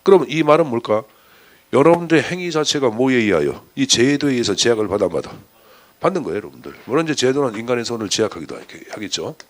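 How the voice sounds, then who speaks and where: Man, exam-prep lecturer, animated pitch, rhetorical questions. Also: quick pace. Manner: chatty, rhetorical questions to students, lively asides.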